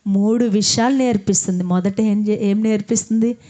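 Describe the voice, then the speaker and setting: A woman's voice: mid-range voice, steady tone, normal speed, warm tone. A woman preaching a sermon who asks the congregation questions, answers them herself, and leads them in prayer.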